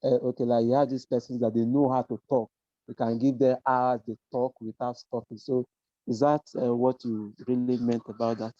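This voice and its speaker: A man asks a halting question in a hesitant way, with a mellow, dark tone. The sound is dry and dull, as from a lo-fi recording. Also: medium pitch, level tone, dry recording. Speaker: trainee asking a question. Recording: dull lo-fi audio.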